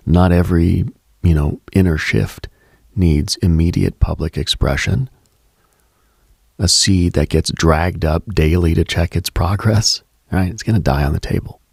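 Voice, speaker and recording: A man hosting a late-night radio show, giving a slow, contemplative monologue with halting pauses in a husky, gravelly voice, close on the mic. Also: low-pitched, a little mellow, no room sound. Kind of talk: reflective late-night spiritual monologue, ASMR-like.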